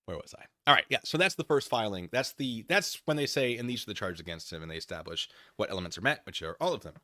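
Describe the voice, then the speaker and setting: A man's voice: fairly low pitch, animated, quick pace, bright, forceful tone, dry recording, clean studio sound. A man hosting a livestream in casual chat, rambling wryly as he reads and answers viewers and acts out imagined exchanges.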